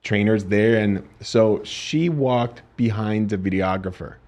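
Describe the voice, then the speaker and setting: Low-voiced Finnish man, halting story. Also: darkish tone. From Finland. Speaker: podcast guest, fitness trainer. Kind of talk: casual interview chat.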